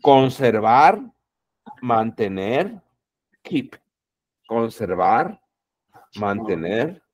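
A man teaching a class, repeating each word and its translation, calling out words loudly and then dropping his voice. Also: medium pitch, very animated, very slow, lo-fi sound. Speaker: English teacher. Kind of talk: classroom lesson.

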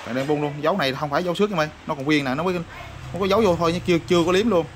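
A man showing off used motorbike parts in a rapid, repetitive sales patter full of fillers. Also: on the high side. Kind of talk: casual product showcase sales patter. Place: parts shop or workshop. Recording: noisy backdrop with passing vehicles.

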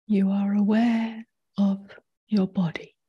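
A woman meditation teacher leading a guided meditation in a soft, breathy near-whisper, gently and with long pauses. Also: mid-range voice, flat delivery, lo-fi sound.

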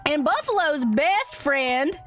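High-voiced woman in a hammed-up country drawl. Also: sing-song, slow pace, faint music behind. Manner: exaggerated put-on country drawl, folksy and goofy; giggly, exclaiming. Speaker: streamer playing a game. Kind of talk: in-character let's play commentary.

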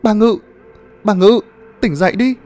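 A man's voice: medium pitch, big pitch swings, darkish tone, natural voice. A man voicing a neighbor woman who chides and fusses over her friend. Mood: chiding. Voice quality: brisk, chiding. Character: fussing neighbor woman, caring and practical.

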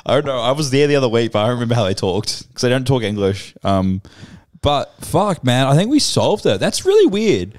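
A man's voice: medium pitch, big pitch swings, a little fast. A young man co-hosting a casual podcast from a living room couch into a handheld mic, joking crudely and swearing a lot. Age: young adult. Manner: swears a lot, jokes loudly. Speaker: podcast co-host.

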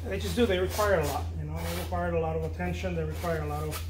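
A man's voice: a little high, fairly even intonation, quick pace, noisy background. A man in his thirties, a painter, talking casually to the camera while he paints in a large studio, rambling and restarting his phrases, picked up by a camera some way off. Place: large studio with an open big door. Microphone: camera at a distance. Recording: roomy studio echo, faint ambience.

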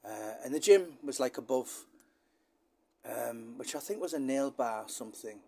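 A man's voice: mid-range voice, lively intonation, moderate pace, vocal fry, warm tone. A man from Britain, a channel host talking in a chatty, rambling, wistful way with many fillers. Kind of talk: casual talking-head monologue.

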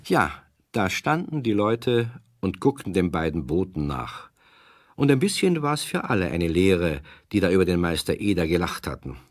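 A man narrates a children's story in a low voice. His intonation is lively and varied, shaping each sentence as a storyteller does. The sound is dry and close. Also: moderate pace, no room sound.

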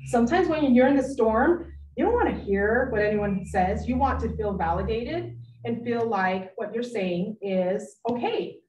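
A middle-aged woman presents a live workshop to parents, animated and chatty. Her voice sits fairly high. It is picked up by a distant mic in an echoey meeting room. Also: measured pace, slight background noise. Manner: animated, acts out quoted friends.

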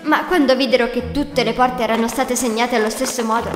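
A woman's voice: on the high side, fairly even intonation, fairly quick. A woman reading a scripted fairy tale as the narrator. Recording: echoey hall reverb, music behind. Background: music.

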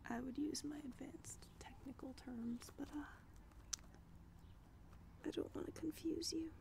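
A young woman playing a subtly condescending art student in a hushed ASMR roleplay, half-whispering with hesitant pauses and hums. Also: high-pitched, vocal fry. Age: young adult. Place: small dim room at home, indoors.

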